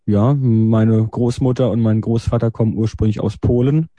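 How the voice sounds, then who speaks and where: A man's voice: fairly low pitch, fairly even intonation, moderate pace, dark tone, no echo. A man in his early thirties from Germany, a radio interview guest who answers hesitantly with many fillers. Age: 30s.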